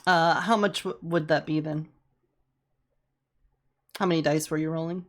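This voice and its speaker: A man running a tabletop role-playing game, narrating casually in a halting, improvised way. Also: on the high side, steady tone. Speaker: game master.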